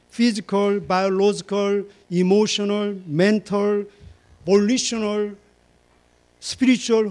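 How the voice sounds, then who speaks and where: Slow, repetitive preaching man. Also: high-pitched, a little mellow. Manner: slow, repeats words and phrases for emphasis; fillers and restarts, lists in long chains. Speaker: pastor. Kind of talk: sermon.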